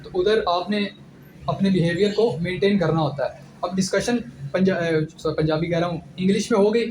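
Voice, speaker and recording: High-voiced young man in an echoey room. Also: moderate pace. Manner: direct, instructive. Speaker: ISSB candidate giving advice. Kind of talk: informal advice lecture. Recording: echoey room with clear background noise.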